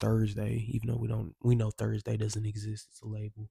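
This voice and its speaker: A man's somewhat breathy voice, with a dark, mellow tone, comes through a very clean recording with a silent background and a dry, close sound with no echo. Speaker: spiritual content creator. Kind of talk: casual vlog monologue. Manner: casual slangy.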